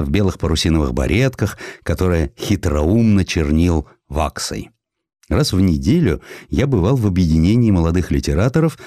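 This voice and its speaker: A man narrating a literary historical essay as an audiobook, with expressive, dramatic and measured phrasing. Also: low-pitched, no echo, clean studio sound.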